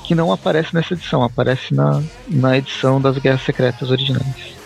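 A man's voice: mid-range voice, steady tone, fast talker, gravelly, faint music behind, low-quality recording. A Brazilian man with a Brazilian Portuguese accent, hosting a casual comic book podcast, laughing often and steering the talk with questions. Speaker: podcast host.

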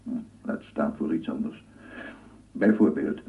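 Slow, dreamy, secretive uncle. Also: male voice, very deep voice, gravelly, full character voice. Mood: dreamy, musing. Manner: slow, fragmentary, hesitant musing. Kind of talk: radio drama acting. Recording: distant, phone-like archive radio recording.

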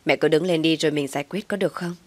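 A woman's voice: sits low, steady tone, racing, darkish tone, no room sound. A woman voicing a meek, apologetic grown son who pleads with his mother. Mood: pleading.

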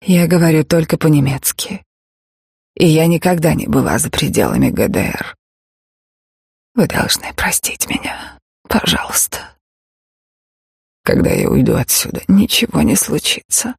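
A man voicing a hushed, guarded East German woman. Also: a little high, sing-song, measured pace, gravelly, pauses often, husky, no room sound, clean studio sound, full character voice. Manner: soft, hesitant, breaking off mid-sentence.

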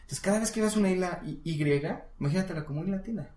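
A man giving a casual one-on-one English lesson, patiently coaching and modelling words slowly. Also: high-pitched, a little mellow, reverberant. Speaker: English teacher.

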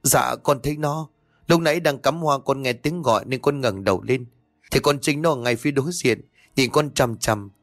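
A man's voice: medium pitch, moderate pace, no echo, clean studio sound, faint music behind, pitched above the performer's own voice, close to an everyday voice. A man playing a terrified young daughter. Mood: terrified, pleading. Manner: stammering, pleading, panicky. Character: frightened young woman, a mother's daughter.

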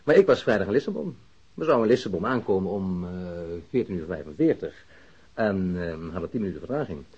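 Defiant suspect, very husky dark voice. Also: male voice, deep voice, big pitch swings, quick pace, full character voice. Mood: defensive. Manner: scoffing, irritated, evasive. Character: defiant, indignant male airline worker held as suspect. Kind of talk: Dutch radio play acting. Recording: dull lo-fi radio drama recording.

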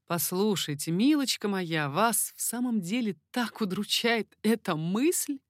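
A woman voicing an amorous, confident king in a storybook reading, lowering her voice and speaking slowly and insistently. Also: lively intonation, dry recording, studio quality, close to an everyday voice. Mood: ardent. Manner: low, slow, insistent. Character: amorous middle-aged man, a king, confident and ardent.

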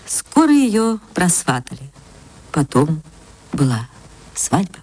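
A woman narrating an old radio play with an emotional manner and sweeping pitch swings. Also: sing-song, slow, a little mellow, slightly rough.

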